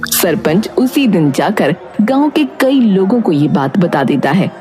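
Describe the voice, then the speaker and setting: Animated woman narrator over background music. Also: mid-range voice, measured pace. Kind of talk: scripted story narration.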